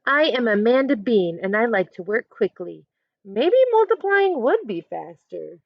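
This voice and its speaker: Woman reading as an eager, animated young girl. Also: a little high, a little slow, gravelly, no room sound, dull audio, full character voice. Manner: earnest, emphatic first-person declarations. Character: eager, proud young girl who loves counting.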